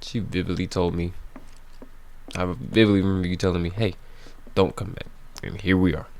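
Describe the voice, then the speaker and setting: Young guy doing game commentary, real low voice, slangy, bit of game noise behind. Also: flat delivery, moderate pace. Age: young adult. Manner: slangy, offhand. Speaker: gaming video host. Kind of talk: casual walkthrough commentary.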